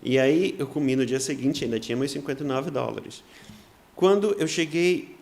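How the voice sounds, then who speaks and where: A man's voice: mid-range voice, moderate pace, creaky. A man, a missionary guest, telling a personal faith story in an earnest way, acting out what people said to him. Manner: earnest, acts out quoted dialogue in lively voices.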